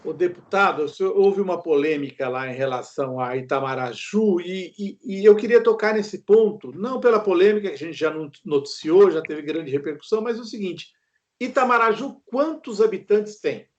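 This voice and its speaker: A man's voice: high-pitched, lively intonation, moderate pace. An older man with a Brazilian accent interviewing someone casually over a dull, lo-fi call from home. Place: room at home.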